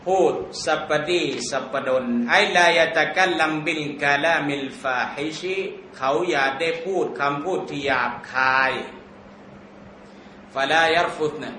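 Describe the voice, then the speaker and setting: A man teaching an Islamic text, drawing out Arabic words slowly, then explaining them in casual, joking talk. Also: a little high, fairly even intonation, pushed and bright, reverberant, a little hiss or hum. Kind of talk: Thai lecture explaining an Arabic hadith text.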